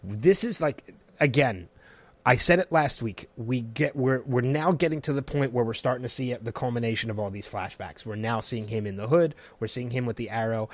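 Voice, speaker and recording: A man co-hosting a podcast, excitedly recapping TV episodes in casual chat with restarts. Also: mid-range voice, dry recording. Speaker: podcast co-host.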